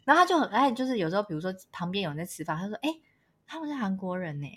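A woman from Taiwan living abroad, co-hosting a podcast and telling stories in lively casual chat, laughing often. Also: mid-range voice, very fast, breathy edge. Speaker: podcast co-host. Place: lives in Australia.

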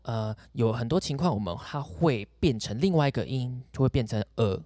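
A man explains sounds in a casual chat, patient but teasing. His pitch is middling yet moves freely, with a dry, close sound. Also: expressive, moderate pace, warm tone, no room sound. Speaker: podcast co-host explaining pronunciation.

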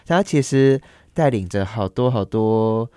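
A man's voice: fairly low pitch, animated, unhurried, mellow, clean tone, dry recording, clean studio sound. A man with a Taiwanese accent hosting a casual radio interview, joking, interjecting and wandering playfully off topic. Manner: playful, joking, often interjecting and going off on tangents. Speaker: radio show host.

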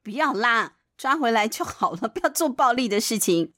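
A woman's voice: a little high, expressive, moderate pace, fairly bright tone. A woman with a Taiwanese accent narrating a children's bedtime story expressively, with playful asides. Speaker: children's storyteller, podcast host. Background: clear background music.

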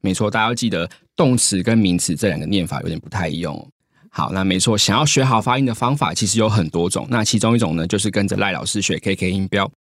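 Male host, brisk segment guide, rapid delivery, dry close mic. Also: deep voice, no room sound. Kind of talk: show hosting.

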